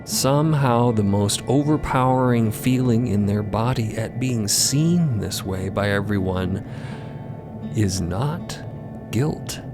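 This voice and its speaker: A man narrating scripted audio fiction dramatically, with hushed, halting, deliberate phrasing. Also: on the low side. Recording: prominent music bed under the voice. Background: music.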